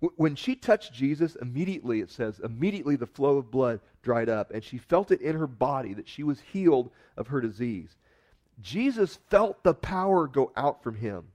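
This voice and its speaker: A man delivers a sermon in an average-pitched voice, retelling a story with lively rises in pitch and loudness on key moments. He dramatizes quoted words and then drops back to a calm, earnest tone. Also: normal speed. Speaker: pastor.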